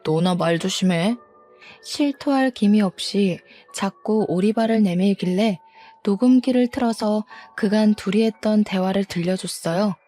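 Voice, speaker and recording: A woman's voice: mid-range voice, moderate pace, dark tone, faint music behind. A woman telling a first-person story as a betrayed wife, in an aggrieved and indignant voice.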